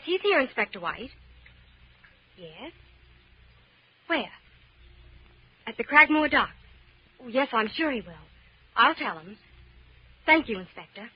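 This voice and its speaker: An actress playing a curious, spirited detective's sidekick in an old radio drama, perky and inquisitive. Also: female voice, sits high, very animated, slow, long pauses, slightly rough, full character voice. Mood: businesslike, concerned. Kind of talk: 1940s radio drama acting. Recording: muffled, noisy old radio recording.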